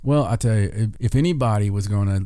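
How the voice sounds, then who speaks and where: Low, mellow male podcast co-host. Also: fast talker, dry recording, studio quality. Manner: irreverent, rambling, mildly profane. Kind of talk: casual paranormal talk show banter.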